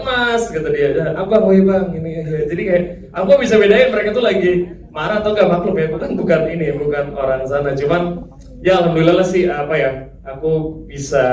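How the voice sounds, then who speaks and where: A man's voice: fairly high pitch, a little mellow, slight background noise. A man speaking casually at a press conference, chatty and often laughing, recorded in a large hall. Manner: chatty, laughing, mimics others' speech. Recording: echoey hall, mic far off.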